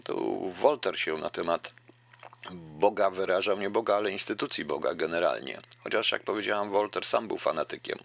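Deep gravelly man commenting casually. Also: a bit bright. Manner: musing, addresses listeners as "proszę państwa". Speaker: book reader and commentator. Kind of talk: reading aloud and casual commentary.

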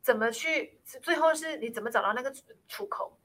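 A woman's voice: high-pitched, fairly quick, a bit bright. A woman interviewer asking curious questions.

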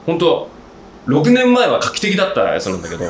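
A man hosting a casual podcast chat, talking at length in a rambling, animated way about his work. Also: a little high, quick pace, echoey room, a little hiss or hum. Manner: talkative, rambling, animated storytelling. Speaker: podcast host, outdoor gear maker.

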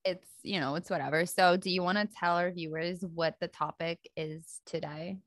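A woman's voice: lowish voice, steady tone, normal speed, a bit bright, dry recording, studio quality. A young woman from Poland co-hosting a podcast, chatting casually and giggling often. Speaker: podcast co-host. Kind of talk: casual chat.

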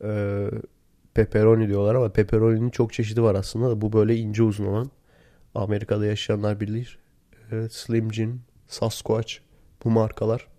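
A man with a hoarse, worn-out voice, sick and tired, chatting casually alone into a close recorder. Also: fairly low pitch, little pitch movement, a little fast, warm tone, no room sound. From Turkey. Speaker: podcast host. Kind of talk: casual solo podcast chat. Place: in bed at home. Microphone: handheld voice recorder, close.

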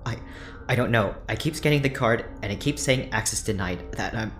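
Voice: mid-range voice, a little fast, a bit bright, soft background music, natural voice. An actor playing a reserved, uneasy escapee in an audio drama, hesitant and terse. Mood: panicked.

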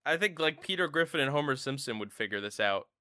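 Animated, bright-voiced ranting podcast host man. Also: mid-range voice, quick pace, dry recording, studio quality. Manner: animated, exasperated ranting full of "like". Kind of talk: casual podcast discussion.

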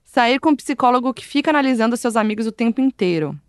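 A woman's voice: on the high side, lively intonation, fast, dry recording, studio quality. A woman co-hosting a casual chat, reading quiz questions and laughing easily. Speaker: podcast co-host.

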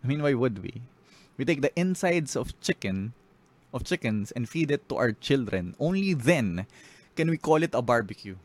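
A man's voice: mid-range voice, sing-song, moderate pace. A man with a Filipino accent, a spoken word poet on a podcast, switching between English and Filipino. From Philippines. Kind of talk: casual podcast talk and spoken word poetry reading.

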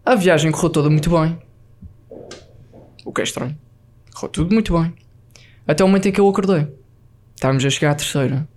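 Slangy man with a slightly high voice. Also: quick pace, long pauses. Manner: lively storyteller, slangy, mixes in English words. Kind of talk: casual podcast chat.

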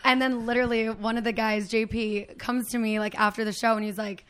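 Raspy, tipsy, chatty woman host. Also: on the high side, little pitch movement, a little fast, fairly bright tone. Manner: chatty, tangent-prone, laughs often. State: tipsy from drinking. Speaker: podcast host. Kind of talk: casual podcast chat.

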